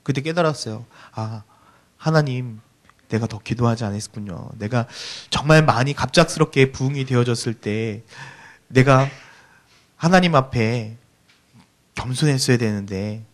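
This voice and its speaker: Speaking in a church hall, a youth pastor delivers a sermon in a mid-range voice. He sounds earnest and pleading, and often drops to a soft hush.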